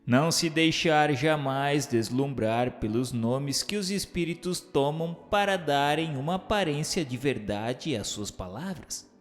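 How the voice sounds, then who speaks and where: A man with a Brazilian accent reading scripted narration in a formal, measured way. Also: on the high side, lively intonation. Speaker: narrator and questioner. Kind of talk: scripted narration of a spiritist text. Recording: long hall-like reverb, music bed.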